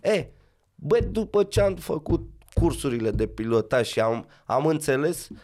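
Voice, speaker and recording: A man with a Romanian accent, a rally co-driver and actor, chatting casually as a podcast guest, animated and slangy, laughing often. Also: fairly high pitch.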